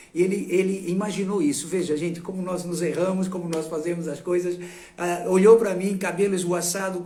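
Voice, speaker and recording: With noticeable background noise and audible room echo, a man with a high pitch talks fairly quickly in a monotone, flat intonation. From Brazil. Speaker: communication and public speaking teacher. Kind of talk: live stream talk. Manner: emphatic, raised tone when reading.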